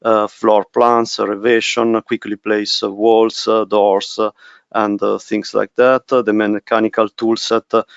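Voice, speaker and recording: A man with an Italian accent presenting a software webinar, speaking haltingly with many pauses. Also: lowish voice, little pitch movement, vocal fry, clear, resonant tone, no room sound, muffled recording. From Italy. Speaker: technical specialist presenter.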